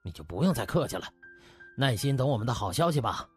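A man's voice: mid-range voice, sing-song, quick pace, breathy edge, soft background music. A man voicing a hearty, grateful middle-aged official who talks in an effusive, chummy way. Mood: reassuring.

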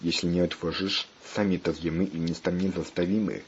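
A man's voice: low voice, steady tone, normal speed. A man voicing a scolding, insistent male pirate friend, on a dull lo-fi recording with faint hiss.

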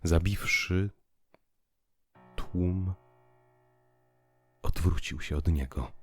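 A man narrating literary prose in a theatrical, declamatory way, moving between hushed and emphatic delivery. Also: low-pitched, extremely slow, slightly rough. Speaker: audiobook narrator. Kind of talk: dramatic literary narration with piano music. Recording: piano music behind the voice. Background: piano music.

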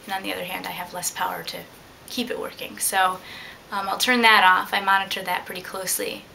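A woman's voice: mid-range voice, little pitch movement, brisk, gravelly, bright, forceful tone, a little hiss or hum, low-quality recording. A young adult woman talking casually and reflectively as an interviewee about her own life, seated indoors. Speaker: liveaboard sailor being interviewed.

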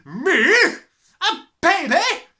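A man's voice: very high voice, big pitch swings, very slow, sharp tone, pitched above the performer's own voice, heavily acted. A man voicing a huge, bullying, furious headmistress from a storybook, barking and bellowing with contempt. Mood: outraged. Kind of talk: storybook character reading.

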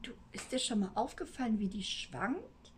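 A woman voicing a concerned older woman friend in a spoken story, soft and hesitant. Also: medium pitch, lively intonation, moderate pace, slight background noise, natural voice.

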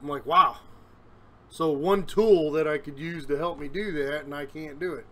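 A man's voice: on the high side, normal speed, a little mellow. A man rambling candidly in a casual solo vlog, recording himself on a phone at home, a little out of breath. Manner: rambling, candid, self-deprecating. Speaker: vlogger. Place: his home. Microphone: phone camera, recording himself.

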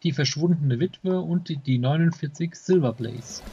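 Male co-host, mid-pitched and rough-edged, informal announcement style, slightly muffled lo-fi audio. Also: moderate pace, mellow, soft background music. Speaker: podcast co-host. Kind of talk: casual podcast announcements of new releases. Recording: slightly dull, lo-fi sound.

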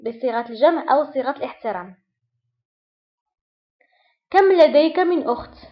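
A woman teaching French phrases. She reads the quickly and repeats each French phrase slowly. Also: sits high, animated, highs cut off. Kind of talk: French lesson for Arabic speakers.

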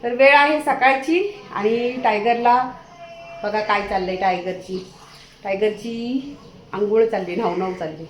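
A woman's voice: medium pitch, measured pace, a little hiss or hum. A woman vlogging casually at home, chatting to viewers and often calling out sharply to her dog.

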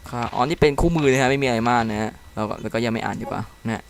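A man giving casual commentary while playing a game. He reacts excitedly and reads the dialogue aloud. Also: medium pitch, racing, creaky, slight background noise. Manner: chatty, explains controls to viewers. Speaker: game let's-play commentator.

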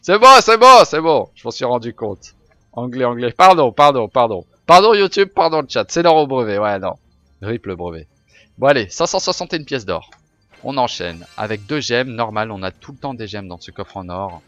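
A man streaming a card-pack opening, chatting casually with his viewers, swearing and getting excited. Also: medium pitch, normal speed, no room sound, dull audio, faint music behind. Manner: excitable, swears, talks to chat. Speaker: gaming streamer. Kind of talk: casual game commentary.

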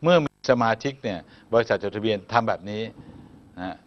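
A man co-hosting a news talk show, giving measured, explanatory commentary. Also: lowish voice, animated, muffled recording. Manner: measured, explanatory, frequent polite particles.

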